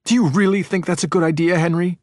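A man's voice: on the high side, slow, dry recording, clean studio sound, pitched above the performer's own voice. A man voicing a frantic, fiercely protective young mother in an audiobook, snapping and emphatic. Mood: angry, scolding. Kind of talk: audiobook character acting.

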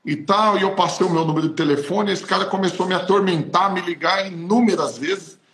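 A man's voice: sits high, fairly quick, fairly bright tone. A man, a pastor, telling a personal testimony in an emotional, emphatic way. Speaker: pastor and podcast host. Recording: roomy echo.

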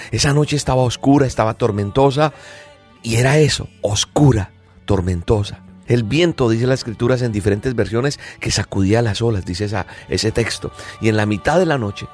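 A man's voice: lowish voice, a little mellow. A man giving a devotional reflection on a Bible passage, speaking earnestly and addressing the listener directly. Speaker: preacher.

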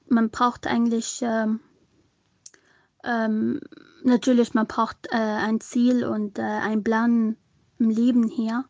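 A woman's voice: on the high side, no room sound. Young Syrian woman, hesitant and earnest. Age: young adult. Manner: hesitant, many fillers, earnest. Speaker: interviewee. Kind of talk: personal testimony to camera.

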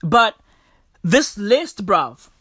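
A man's voice: high-pitched, sing-song, very slow, fairly bright tone, breathy edge, no room sound, clean studio sound. A young South African man hosting a casual podcast, talking in slang and calling the listener bro and bruv. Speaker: podcast host. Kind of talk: casual solo podcast commentary. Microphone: podcast mic.

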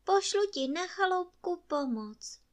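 Woman doing a mild, gentle fairy. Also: very high-pitched, expressive, pitched above the performer's own voice. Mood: soothing. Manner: mild, soothing. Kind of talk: bedtime storytelling.

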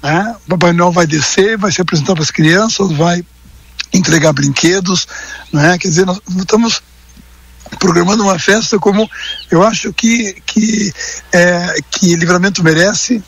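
A man's voice: sits high, moderate pace, a bit bright, husky. A man, calling in by phone to a live radio show as a guest, talking hesitantly with many fillers and restarts. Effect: heard over a phone line. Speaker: guest, event organizer calling in.

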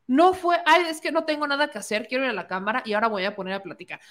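A woman's voice: sits high, racing, a bit bright. A woman with a Mexican accent giving opinionated political commentary, indignant and sarcastic, mocking the people she quotes.

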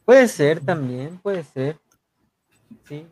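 A man with a Mexican accent hosting a casual chat in slangy, colloquial street talk, halting and often repeating himself. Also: on the high side, expressive, a little mellow, no room sound. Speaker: podcast host.

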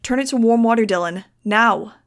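A woman's voice: mid-range voice, moderate pace, natural voice. A woman voicing a wry, anxious teenage girl leader in audiobook dialogue. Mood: panicked.

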